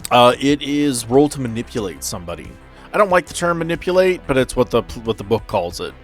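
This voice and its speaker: A man's voice: medium pitch, very animated, fairly quick. Man running a tabletop game over music. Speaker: game master. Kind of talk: improvised tabletop game narration and rules talk. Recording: music behind the voice.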